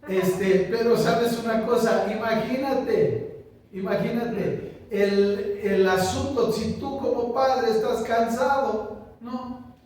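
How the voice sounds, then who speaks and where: A pastor preaching a conversational sermon, asking the congregation questions and joking with them. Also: male voice, very high voice, slow, darkish tone. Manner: chatty, asks the congregation questions, jokes. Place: small church. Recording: echoey church room, distant mic, faint noise.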